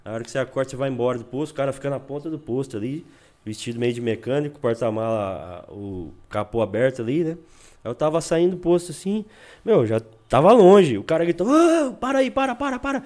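A man's voice: medium pitch, fast talker, darkish tone. A young man with a Brazilian accent, a guest telling a road trip story in slangy casual chat and acting out the people he quotes.

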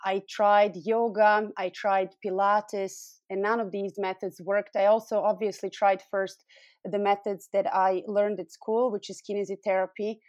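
A woman's voice: medium pitch, level tone, a little slow, a little mellow, no echo. A woman from Serbia with a Serbian accent, speaking as an expert guest and explaining things in an interview. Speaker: guest expert, scoliosis clinic founder and physiotherapist.

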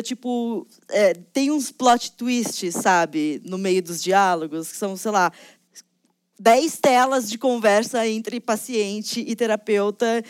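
A woman co-hosting a podcast in casual chat, talkative and quick to laugh, with plenty of fillers. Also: on the high side, a little mellow, clear, resonant tone, no room sound, clean studio sound. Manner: chatty, laughs often, lots of fillers. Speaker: podcast co-host.

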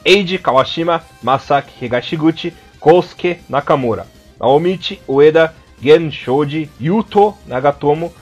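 A podcast co-host from southern Brazil, speaking with a southern Brazilian Portuguese accent in a voice on the high side, casually and patiently teaches name pronunciation by repeating names slowly. Occasionally he slips into blunt, crude jokes, and the sound is dull lo-fi with faint music underneath.

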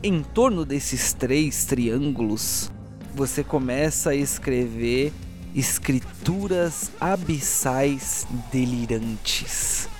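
Low-register man as game master, music behind. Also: very slow, a little mellow. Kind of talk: dramatic tabletop horror narration.

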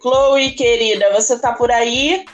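A woman with a Brazilian Portuguese accent hosting a podcast interview, effusive and drawn-out in her speech. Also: on the high side, steady tone, soft background music. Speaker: podcast host.

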